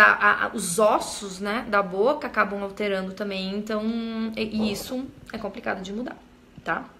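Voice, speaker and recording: A woman's voice: fairly high pitch, pushed and bright. A Brazilian woman in her thirties, hosting a casual live stream, reading viewer comments aloud and answering them in a chatty way. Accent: Brazilian Portuguese.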